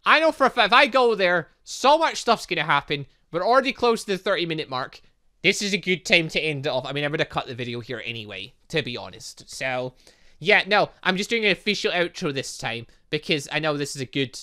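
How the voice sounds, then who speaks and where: A young gaming YouTuber plays a visual novel on his channel, reading the dialogue aloud and rambling through a chatty outro with humming filler sounds. His voice is fairly high, bright, and forceful, very animated and a little fast.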